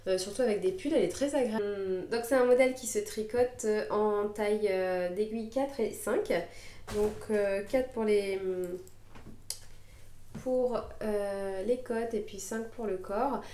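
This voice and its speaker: A woman talking through her knitting in a relaxed show-and-tell vlog, at a middling pitch for her sex. She is just getting over a cold and often stops and restarts her sentences. The camera mic picks her up in an echoey room at home. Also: a little slow, a little hiss or hum. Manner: chatty, hesitant, many fillers and restarts. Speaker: knitting podcaster.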